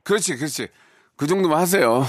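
A man's voice: on the high side, expressive, fast talker, no echo, clean studio sound. Playful man hosting a radio call-in. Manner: playful, teasing, coaching with loud bursts. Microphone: studio microphone.

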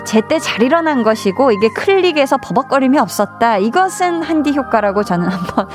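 A young woman hosting an evening radio show, chatting warmly and reading out listener messages with encouraging words. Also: high-pitched, big pitch swings, fairly quick, faint music behind. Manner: warm encouraging, cheers listeners on. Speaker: radio host. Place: radio studio. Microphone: studio microphone.

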